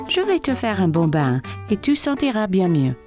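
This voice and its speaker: A woman voicing a caring, patient and gently firm mother in a children's cartoon, reassuring and simply spoken. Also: mid-range voice, big pitch swings, normal speed, faint music behind, natural voice. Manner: reassuring, simple instructive phrasing.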